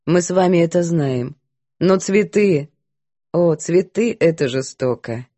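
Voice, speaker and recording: A woman voicing a composed, firm governess who speaks calmly and evenly, a little lower. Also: dry recording. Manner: calm, measured, composed. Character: calm, firm older English governess.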